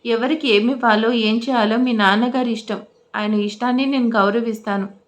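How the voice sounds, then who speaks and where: A woman voicing a calm, gentle mother who speaks softly and slowly in a storybook reading. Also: a little high, lightly acted. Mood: pleading. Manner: soft, slow and placating.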